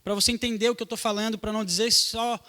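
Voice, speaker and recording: A man's voice: high voice, level tone, very fast, sharp tone. A young adult man, a pastor preaching a sermon in a casual, slangy way aimed at young people.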